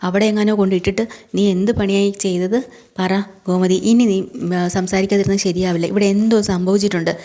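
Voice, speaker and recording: A woman's voice: mid-range voice, fairly even intonation, a little fast, mellow, lightly acted. Balan, a stern questioning family man, read by a woman. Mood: demanding. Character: middle-aged family man, stern, worried, demanding answers.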